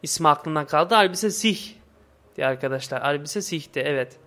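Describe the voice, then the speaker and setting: A man giving casual let's play commentary in halting, imperfect Turkish with muddled word forms. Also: on the high side, expressive, sharp tone. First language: not Turkish, speaks imperfect Turkish. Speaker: gaming video host.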